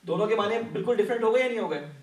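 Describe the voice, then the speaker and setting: A man gives a patient Quran lesson, often asking his class questions. His voice sits high for a man. He is heard some distance in a big echoing mosque hall. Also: lively intonation. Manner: patient, asks the class questions and answers them. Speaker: Quran study teacher. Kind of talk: explanatory religious lesson. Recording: echoey hall, voice from off-mic.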